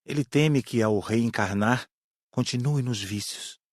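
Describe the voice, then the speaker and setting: A man playing an earnest student spirit who is concerned for others, reading in a measured way for an audiobook. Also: medium pitch, dry recording, clean studio sound, close to an everyday voice.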